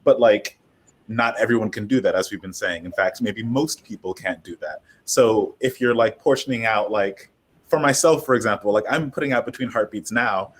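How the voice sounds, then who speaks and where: A man's voice: fairly low pitch, normal speed. A man speaking as an audio drama creator on a casual panel, explaining at length with many asides.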